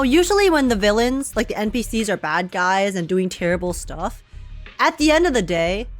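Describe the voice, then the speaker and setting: A woman streamer reacting live to a video game with emphatic, sweary, informal commentary. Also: mid-range voice. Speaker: gaming streamer. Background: game music.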